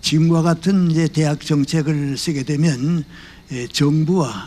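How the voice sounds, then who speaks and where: Over noticeable background noise, a man with a fairly high pitch speaks at a very slow pace, with ordinary pitch variation. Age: 80s+. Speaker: philosopher, professor emeritus. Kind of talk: lecture. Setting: arena.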